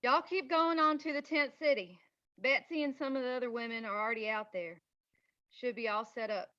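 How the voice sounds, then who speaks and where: A woman's voice: on the high side, a little fast, sharp tone, lo-fi sound. A woman reading the part of an urgent, protective organizer in a period drama, plain-spoken and directive. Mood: brisk, directive. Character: urgent, protective female organizer warning mining-town families. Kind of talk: screenplay table read.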